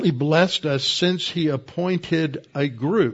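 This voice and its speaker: Somewhat breathy and delivered at a very slow pace, this voice has a Southern US accent and ordinary pitch variation. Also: man. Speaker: pastor. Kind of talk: sermon. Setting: church.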